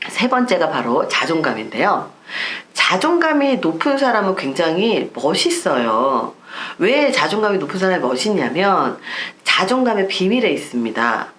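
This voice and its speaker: A woman's voice: on the low side, sing-song, moderate pace, a bit bright. A woman lecturer explaining psychology in an emphatic, explanatory way, asking rhetorical questions. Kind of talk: recorded lecture to camera.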